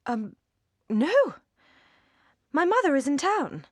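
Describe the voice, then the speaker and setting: A woman voicing an embarrassed young Regency gentleman in an audiobook, stammering politely. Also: extremely high pitch, sing-song, takes it slowly, no room sound, studio quality, voice pushed up, exaggerated voice. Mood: flustered, surprised.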